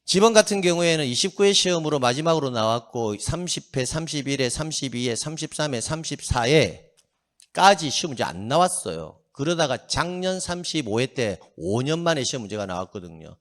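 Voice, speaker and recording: A middle-aged man teaches an exam-prep lesson with a lively, swinging pitch. He keeps asking his students a question and answering it himself, and drills them to repeat phrases aloud, with a few joking asides along the way. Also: normal speed. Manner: animated, asks and answers his own questions. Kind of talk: exam lecture.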